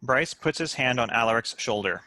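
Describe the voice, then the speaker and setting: Bright, dry-sounding man reading stage directions. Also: mid-range voice, animated, moderate pace, dry recording, low-quality recording. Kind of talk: scripted narration at a table read.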